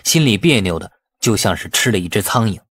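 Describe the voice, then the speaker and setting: A man's voice: lowish voice, animated, brisk, fairly bright tone, husky, no echo. A man narrating a novel as a dramatic scripted audiobook.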